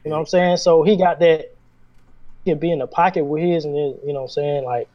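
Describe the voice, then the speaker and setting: A man's voice: a little high, fairly even intonation, fast talker, highs cut off. A male singer talking casually as a guest, laid-back and chatty, often laughing. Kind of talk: casual conversation.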